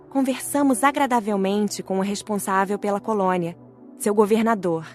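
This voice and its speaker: A woman calmly narrating an audiobook in the first person. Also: medium pitch. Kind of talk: scripted audiobook reading.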